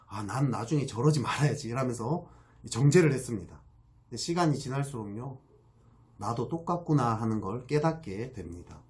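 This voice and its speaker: Expressive male pastor preaching. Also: a little high. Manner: expressive, acts out quoted inner voices. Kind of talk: sermon.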